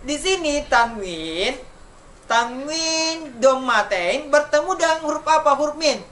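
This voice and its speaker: A man with an unusually high voice teaches young pupils how to recite, posing questions and answering them himself. He draws out each example in a slow chant. He sits away from the mic, with a faint hiss in the background. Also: lively intonation, sharp tone, distant mic. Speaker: elementary school Quran recitation teacher. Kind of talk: online tajwid lesson for children.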